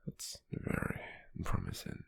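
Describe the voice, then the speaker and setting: A British man playing a possessive, calculating, smug slave merchant in a hushed ASMR roleplay, with a husky, breathy, gravelly voice and a slow, deliberate delivery. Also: dry recording, natural voice. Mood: intrigued, approving. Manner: slow, deliberate, with lingering pauses.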